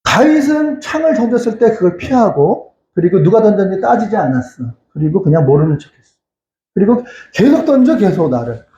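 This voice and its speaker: A man's voice: high-pitched, big pitch swings, fairly quick, warm tone, a little hiss or hum. A male pastor preaching a sermon, asking questions and answering them himself, repeating phrases and crying out hallelujah. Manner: cries out hallelujah again and again. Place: church sanctuary. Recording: echoey, dull church hall recording.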